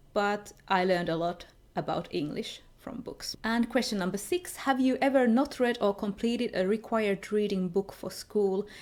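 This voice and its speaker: The speaker, in a Finnish accent, moves at a moderate pace with hardly any pauses and ordinary pitch variation. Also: woman, medium pitch for a woman. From Finland. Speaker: book vlogger. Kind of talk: casual video monologue.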